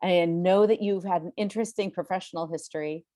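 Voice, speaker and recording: Low-voiced chatty woman podcast host. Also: fairly even intonation, fairly quick. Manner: warm, chatty, many ums, laughs easily. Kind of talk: casual interview chat.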